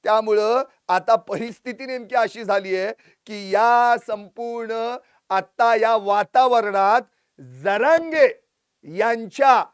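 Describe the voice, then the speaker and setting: A man's voice: extremely high pitch, smooth, dry recording, studio quality. A man giving sarcastic, dramatic political news commentary as a commentator.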